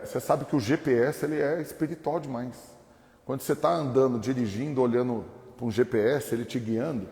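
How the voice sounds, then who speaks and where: A man from Brazil, a pastor, preaching a lively, humorous sermon full of acted-out voices. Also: medium pitch. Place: church hall. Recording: echoey hall reverb.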